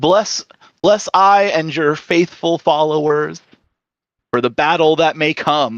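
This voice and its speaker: Putting on a character voice, a man speaks at a fairly high pitch. His pace is fairly slow, with long, frequent pauses. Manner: solemn, praying.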